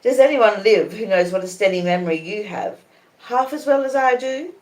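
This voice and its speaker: A woman voicing a proud, cool young lady in a storybook reading, calmly defiant, with measured and emphatic reasoning. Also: mid-range voice, pitched above the performer's own voice, natural voice. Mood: cool reproach. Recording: echoey conservatory.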